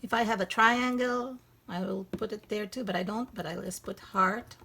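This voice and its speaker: Husky-voiced woman with a gravelly edge. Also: medium pitch, fairly even intonation, normal speed, pushed and bright. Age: 50s. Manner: chatty, explains step by step. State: hoarse from allergies. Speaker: craft channel host. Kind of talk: casual DIY tutorial. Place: craft room in a home loft.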